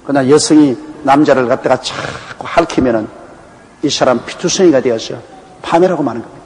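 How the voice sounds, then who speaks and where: A man's voice: medium pitch, fairly quick, big-room sound, rough recording. An older man from the Gyeongsang region of Korea, a pastor preaching a sermon that explains a Bible passage in a conversational, anecdotal way. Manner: animated, emphatic delivery.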